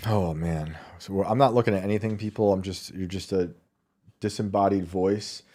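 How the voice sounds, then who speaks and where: Low, mellow-voiced male podcast host. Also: normal speed. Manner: relaxed, laughs often, thinks aloud with fillers. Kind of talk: casual call-in show chat.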